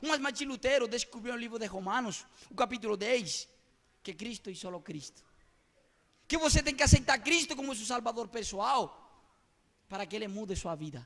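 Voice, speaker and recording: With long, frequent pauses, a man speaks at a moderate pace in an extremely high voice, his intonation lively and his loudness swinging widely. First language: Spanish (speaking Portuguese). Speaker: preacher. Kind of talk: sermon.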